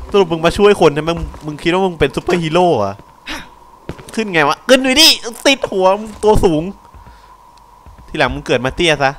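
A man's voice: fairly high pitch, fairly bright tone, a little hiss or hum. A young man giving casual, crude, joking commentary while playing a horror game, talking back at the game. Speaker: gameplay commentator.

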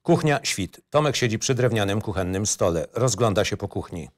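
Male narrator for screenplay reading, lowish voice, clipped and matter-of-fact. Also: lively intonation, moderate pace.

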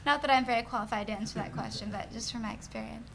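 A woman's voice: on the high side, steady tone, rapid-fire, vocal fry, background noise. A young woman moderating a campus Q&A in a chatty, self-deprecating way. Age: young adult. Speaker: student moderator.

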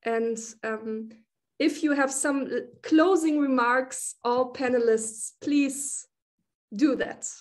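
Organizer woman closing a video-call panel; hesitant, filler-heavy delivery, slightly high. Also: slow pace. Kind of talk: online panel discussion. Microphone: laptop video call.

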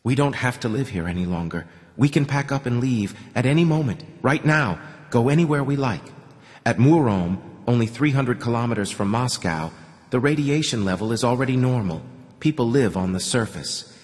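A man's voice: mid-range voice, lively intonation, normal speed, darkish tone, natural voice. A man voicing a weary young man who pleads passionately with a crowd to leave the tunnels. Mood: pleading. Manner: impassioned, urgent. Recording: long hall reverb.

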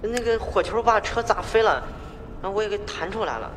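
An actor playing a hapless, evasive delivery man in his thirties, halting and rambling in film dialogue. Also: sits high, expressive, big-room sound, background noise. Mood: flustered.

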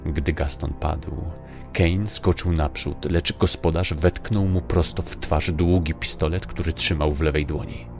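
Very deep, gravelly male narrator. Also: fairly even intonation, unhurried, a little mellow, faint music behind. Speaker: audiobook narrator. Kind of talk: scripted dramatic story narration.

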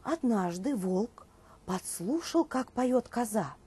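A woman in her thirties presenting a children's show and telling tales in an expressive way for young listeners. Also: fairly high pitch, takes it slowly, husky. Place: indoor TV studio dressed as a nursery.

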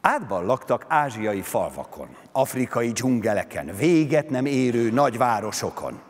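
A man giving a dramatic literary reading of a story, with expressive, sweeping intonation, on a concert hall stage. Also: mid-range voice. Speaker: reciting actor.

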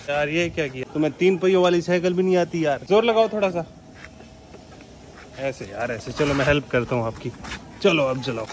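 A man with a notably high-pitched voice films a casual family vlog. He teases and coaxes children in a playful, chatty way. The camera audio carries clear background noise from outdoors. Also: lively intonation, normal speed, pauses often. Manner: playful, teasing, coaxing. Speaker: vlogger.

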